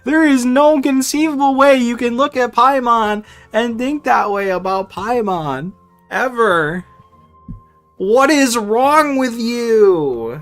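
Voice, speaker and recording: A man's voice: very high-pitched, slow pace, fairly bright tone. A young man chatting casually with viewers while streaming a game, slangy, joking and sweary. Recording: game music faintly behind.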